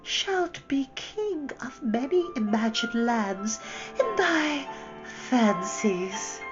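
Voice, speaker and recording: A woman's voice: sing-song, muffled recording, music in the background. Woman voicing a coaxing, sweetly menacing queen. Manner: high, slow, lilting and soothing.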